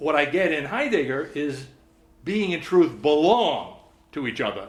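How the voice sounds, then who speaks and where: With lively intonation, a man with an American accent speaks amid noticeable background noise and audible room echo. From US. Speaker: philosopher leading a seminar. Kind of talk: seminar lecture. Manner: halting, with many repetitions.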